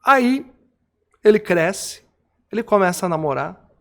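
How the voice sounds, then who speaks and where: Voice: mid-range voice, animated, unhurried, fairly bright tone. A speaker in casual conversation, explaining ideas through everyday examples.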